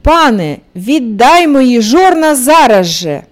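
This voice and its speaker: A woman voicing a small, bold, stubborn male rooster in a told fairy tale, shouting insistent demands in a higher, louder voice. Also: animated, unhurried, lightly acted. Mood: demanding.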